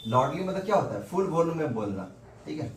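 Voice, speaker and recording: A very animated, fast-talking man with a fairly high pitch gives a whiteboard lesson on English grammar. He's repetitive, answering his own questions as he goes, and the recording comes from an echoey room with a little background noise.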